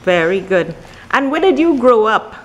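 A woman's voice: fairly high pitch, big pitch swings, normal speed, poor audio. A woman asking short, direct questions in a documentary interview.

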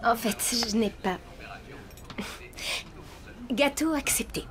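Fields: guarded young film star, evasive and light. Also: female voice, fairly high pitch, takes it slowly, crowd noise. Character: guarded young woman film star hiding her fame. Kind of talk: French dub of a TV film.

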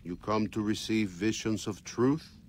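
A man's voice: fairly low pitch, unhurried, a little mellow, a little hiss or hum, natural voice. A man voicing a solemn old tribal shaman who speaks in clipped, broken English.

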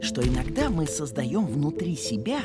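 An actor voicing a bookish, sensitive and self-righteous dragon head in an animated cartoon. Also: male voice, fairly high pitch, moderate pace. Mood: thoughtful. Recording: loud music behind the voice.

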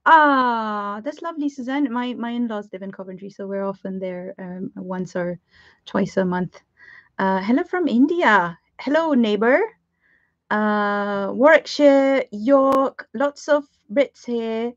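A bubbly Pakistani art teacher in her thirties, speaking with a Pakistani English accent, hosts a live-streamed craft lesson from her home studio, greeting viewers and chatting warmly. Her slightly high voice is full of ums and quick laughs. A desk webcam captures dry, slightly dull audio with no room sound.

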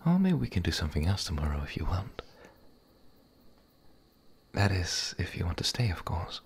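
A man voicing a gentle, playful male werewolf in an ASMR roleplay, speaking softly and intimately, often in a whisper. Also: deep voice, very animated, a little hiss or hum. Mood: tender, content. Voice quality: husky, breathy, gravelly. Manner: soft, intimate, halting.

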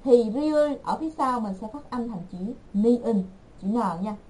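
A woman teaching an online language class, repeating words slowly and patiently for her learners. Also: on the high side, lively intonation, a little mellow, low-quality recording.

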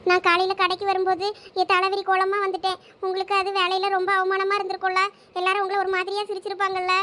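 Very high, bright, quick woman playing a young wife. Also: monotone, slight background noise. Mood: upset. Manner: pleading, emotional. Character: young wife, tearful then shy. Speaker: actor in a village family skit. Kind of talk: village comedy-drama acting.

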